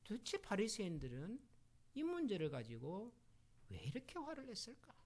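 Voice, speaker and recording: Middle-aged korean pastor giving a sermon, lively up and down voice, asks the crowd stuff. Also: male voice, sits high, moderate pace. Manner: animated, asks the congregation questions and acts out quoted voices.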